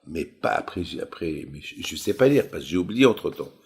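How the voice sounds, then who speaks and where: A middle-aged man with a Moroccan accent, a rabbi telling an informal religious story in halting phrases that he often repeats for emphasis. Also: sits low, sing-song, gravelly, darkish tone.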